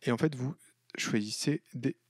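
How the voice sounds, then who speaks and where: A man hosting a casual screen-recorded software tutorial, chatty, with many fillers and self-corrections. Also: mid-range voice, normal speed, breathy edge. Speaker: tutorial host.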